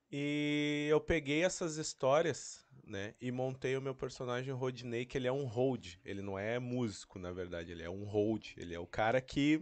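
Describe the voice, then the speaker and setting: In a normal speaking voice, a man of medium pitch talks at a moderate pace with lively intonation and hardly any pauses against a quiet background. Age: 30s. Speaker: comedian. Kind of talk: casual chat.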